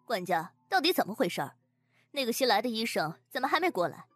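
A woman's voice: fairly high pitch, sing-song, fast, a bit bright, husky, dry recording, soft background music, exaggerated voice. A woman voicing an imperious, impatient, exacting young lady of the house in an audiobook.

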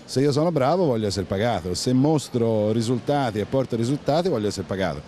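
A man's voice: mid-range voice, animated, quick pace, mellow. A man in his forties arguing his point step by step in a street interview. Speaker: interviewed passer-by. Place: outdoors under a city colonnade. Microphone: handheld interview microphone. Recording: faint street and traffic noise.

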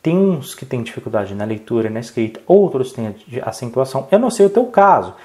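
A man's voice: mid-range voice, fast. Brazilian guy teaching online, voice jumps up and down a lot, keeps asking "got it?". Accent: Brazilian Portuguese. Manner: lively, peppers speech with "tá bom?" and "né?" checks; explains step by step, asking and answering his own questions. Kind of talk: online exam-prep lesson.

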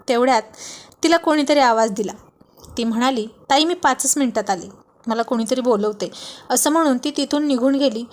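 A woman telling a first-person story in an emotive, confiding way. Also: sits high. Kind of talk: narrated moral story.

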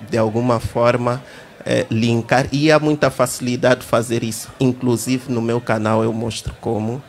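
A man in his thirties with an Angolan Portuguese accent, explaining at length on a tech fair panel stage with a handheld microphone. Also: medium pitch. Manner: explanatory, lively, addresses the audience directly. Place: large indoor event stage.

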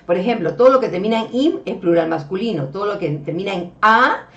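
A woman's voice: mid-range voice, lively intonation, a little fast. A woman giving a religious lecture over slides, explaining patiently, often checking in with her listeners and addressing them as beloved brethren. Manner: explanatory, frequent checks with "ok?" and "este" fillers. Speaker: religious teacher. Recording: distant, dull-sounding mic.

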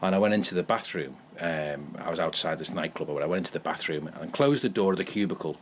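A comedian from the Wirral with a Merseyside English accent tells anecdotes as a guest in a casual chat, laughing often and restarting his sentences. He talks fast in a low voice with lively intonation, and there is slight background noise.

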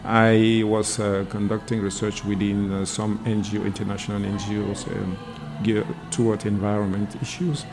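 A man from Cameroon, a guest in an interview, speaking in a measured, halting way with frequent pauses. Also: lowish voice, level tone, music in the background. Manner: measured, halting, many "uh" fillers. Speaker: guest, environmental sociologist. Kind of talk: casual interview conversation.

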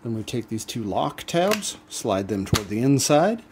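A man hosting a do-it-yourself channel, explaining a repair step by step in a relaxed, casual way as he works at a bench. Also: mid-range voice, moderate pace, noisy background. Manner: relaxed step-by-step explaining while working hands-on. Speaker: DIY channel host. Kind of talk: casual how-to demonstration.

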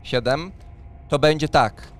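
A man in his thirties serves as game master, laying out the rules and narrating a tabletop role-playing scene. His voice sits on the high side and he takes his time. He's recorded on a boom-arm studio microphone, with clear background noise.

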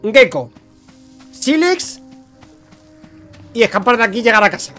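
Young guy streaming a game, high voice, talks at the bugs, faint music behind. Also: very fast. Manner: excitable, talks to himself and the creatures. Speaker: gaming streamer. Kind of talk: live gameplay commentary.

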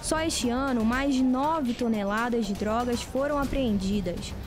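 A woman with a Brazilian accent reading a formal TV news voice-over in a measured way. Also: a little high. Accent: Brazilian Portuguese. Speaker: news reporter. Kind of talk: scripted news report. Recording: TV news report with music bed.

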